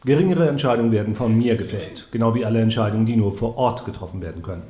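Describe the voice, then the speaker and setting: An actor playing a businesslike, obliging project leader in a radio drama, speaking politely. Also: male voice, lowish voice, racing, dark tone, lightly acted. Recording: roomy echo.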